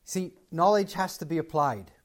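High-voiced man preaching with emphasis. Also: expressive, normal speed. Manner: conversational, building to emphatic points. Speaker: guest preacher. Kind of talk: closing sermon and prayer.

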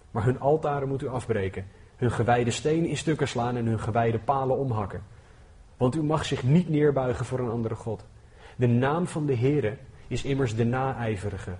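A man delivers a sermon in an earnest, conversational way, his voice a little husky. His pitch sits in the middle, and he reads scripture aloud with growing force. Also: mellow. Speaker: preacher.

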